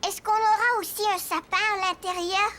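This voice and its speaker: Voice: extremely high pitch, fairly even intonation, moderate pace, bright, forceful tone, a little hiss or hum. An actor voicing a curious, timid four-year-old boy in a children's cartoon, with a childlike, plaintive way of talking. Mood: questioning, pouty.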